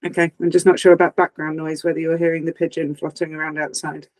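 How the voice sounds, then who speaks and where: A woman's voice: sits low, flat delivery, fast, a little mellow, no room sound, low-quality recording. Chatty, teasing woman co-host. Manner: chatty, teasing, laughs often. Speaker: podcast co-host. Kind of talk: casual podcast chat. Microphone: remote call with headphones.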